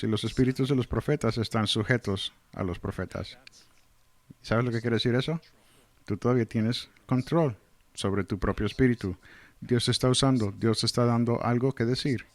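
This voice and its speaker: Again the Spanish translator of a pastor's sermon, his medium-pitched voice slightly dark and free of room sound. In an earnest, explanatory way, he reads each scripture verse before commenting on it.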